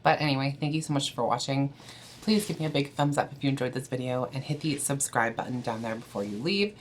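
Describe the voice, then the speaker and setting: A woman's voice: very deep voice, fast, a little hiss or hum. A young trans woman from Canada chatting casually to camera, with frequent fillers and an easy, candid manner. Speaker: vlogger.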